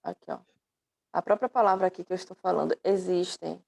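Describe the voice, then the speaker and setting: A woman's voice: on the low side, fairly quick, creaky, darkish tone. A woman teaching an online class through her laptop microphone, patiently explaining step by step and affectionately calling her students dear.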